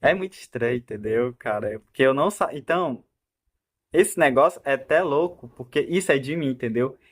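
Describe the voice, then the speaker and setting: A man's voice: mid-range voice, lively intonation, fairly quick. A man in his twenties with a Brazilian Portuguese accent, talking in a casual, rambling monologue full of restarts. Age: 20s. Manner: talkative and rambling, with self-interrupting restarts and frequent laughs. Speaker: vlogger.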